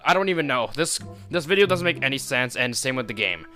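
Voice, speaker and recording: Man playing a bewildered principal, lively pitch swings, rambling, fillers, restarts. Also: quick pace, faint music behind. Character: male school principal, bewildered and excitable. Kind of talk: amateur animation voice acting.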